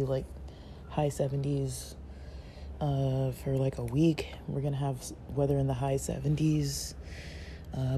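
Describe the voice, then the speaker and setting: Slow, dark-voiced man, raspy from sleep. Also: mid-range voice, slight background noise. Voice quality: rambling, many fillers. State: raspy morning voice. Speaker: podcast host. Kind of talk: casual morning recap.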